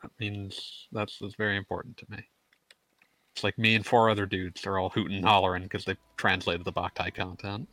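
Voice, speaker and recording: Male podcast co-host, lowish and crisp-edged, chatty and stammering, very dry close mic. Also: flat delivery, a little fast, sharp tone, no echo, low-quality recording. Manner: rambling, stammers on restarts, laughs mid-sentence. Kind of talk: casual gaming podcast chat.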